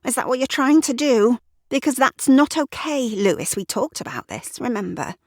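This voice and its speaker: Tense, exasperated wife, pitched high and clipped, voiced by a woman reader, dry close sound. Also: expressive, moderate pace, no room sound. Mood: irritated. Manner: sharp, exasperated, high-strung.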